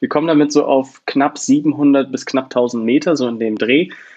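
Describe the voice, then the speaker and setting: A man talks at a moderate pace in an ordinary speaking voice. His pitch is in the medium range. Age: 20s. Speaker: competition organizer. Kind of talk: casual interview.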